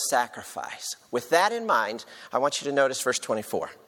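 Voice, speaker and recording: A man talks with a Southern US accent. His pitch swings very widely. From Tennessee. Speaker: pastor. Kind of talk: sermon. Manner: halting.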